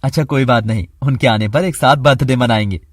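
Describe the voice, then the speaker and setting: A man voicing a calm family member who speaks in a measured, everyday way. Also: mid-range voice, dry recording, clean studio sound, natural voice.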